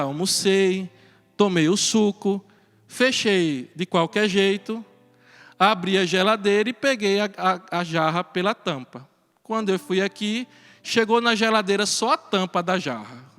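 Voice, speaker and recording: A man's voice: sits high, animated, a little slow. A man, a priest giving a homily at Mass and telling a personal story earnestly, chuckling now and then. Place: church. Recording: reverberant church with soft music.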